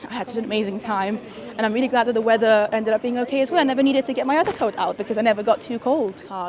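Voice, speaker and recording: A young woman chatting casually in a late-night vlog, tired and a little hoarse, talking to a handheld camera, first outdoors by fountains and then in a hotel room. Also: medium pitch. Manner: chatty, warm and a little tired, with soft laughs. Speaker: vlogger.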